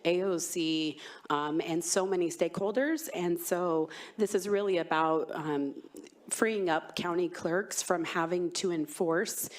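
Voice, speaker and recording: A woman's voice: lowish voice, steady tone, measured pace. A woman lawmaker testifying to a committee, her voice worn by a cold, earnest with many ums. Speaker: state legislator testifying.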